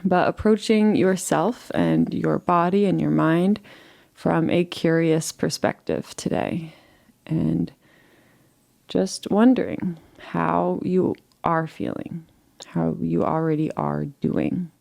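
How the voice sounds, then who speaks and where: Mellow, low-voiced woman guiding meditation. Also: big pitch swings, creaky. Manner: soothing, gentle, unhurried with pauses. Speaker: guided meditation teacher. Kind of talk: guided relaxation meditation, live session.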